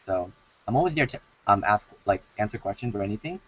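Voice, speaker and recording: A man chatting casually as a guest on a livestream, halting and informal, over a video call. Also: lowish voice, animated, slightly rough. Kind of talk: casual chat. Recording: distant mic, dull video-call sound.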